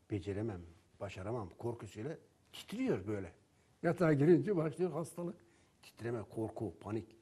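A man's voice: medium pitch, dark tone, breathy edge. A man who sells herbal remedies, telling anecdotes about customers and acting out their back-and-forth in casual talk. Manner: storytelling, acting out dialogue with customers.

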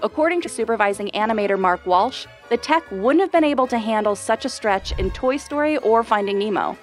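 A woman giving scripted narration for an explainer video, clear and measured. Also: fairly high pitch, animated, soft background music.

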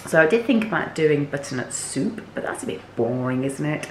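A woman in her forties, a little hoarse from a cold, chatting to camera in her home kitchen with lots of ums and "okay?". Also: sits low, expressive, fairly quick, a little mellow. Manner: chatty, many ums, stresses points with "okay?". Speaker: cooking vlogger. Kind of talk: chatty cooking vlog to camera. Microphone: handheld camera close to face. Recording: echoey kitchen with faint hum.

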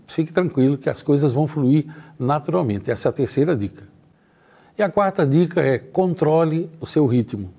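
A man's voice: a little high, vocal fry, warm tone, husky. A middle-aged man teaching a workplace lesson as a trainer. He talks emphatically and straight to the viewer, acting out short dialogues as he goes. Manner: acts out short dialogues in his talk.

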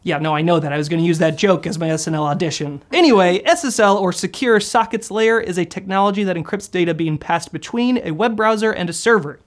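A man's voice: high-pitched, fast, few pauses. An American man in his thirties presenting a scripted comedic explainer in a goofy, playful manner. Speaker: host. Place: indoor green-screen studio.

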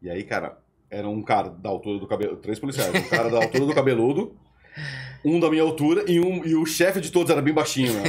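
A man who is a podcast guest and former radio host, telling a lively, slangy anecdote in casual chat. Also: medium pitch, fast.

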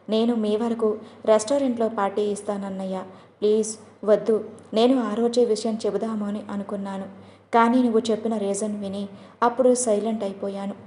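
A woman's voice: medium pitch, steady tone, moderate pace, warm tone, close to an everyday voice. A woman voicing a coaxing young heroine. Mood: pleading. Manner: coaxing, pleading. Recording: roomy echo.

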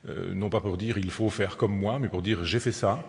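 A man delivers a public lecture in a low, husky voice, stopping often on fillers and restarting his sentences as he thinks aloud. His voice carries the long reverb of a lecture hall. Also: moderate pace. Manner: hesitant, full of "euh" fillers and restarts.

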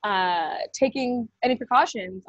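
A woman's voice: fairly high pitch, a little slow, no room sound. A young woman co-hosting a casual video call chat, rambling with many fillers. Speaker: co-host. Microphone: webcam on video call. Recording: dull, dry webcam audio.

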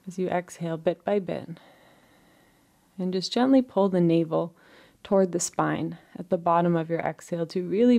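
Low, creaky-voiced woman guiding relaxation. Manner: gentle, soothing, with frequent pauses between phrases. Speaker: guided relaxation teacher. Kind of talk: guided meditation, soft unhurried instruction.

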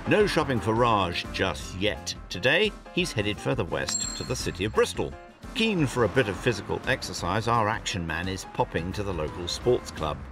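A man's voice: on the low side, sing-song, normal speed, over music. A man giving playful, pun-filled scripted narration for a television show. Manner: playful, punning.

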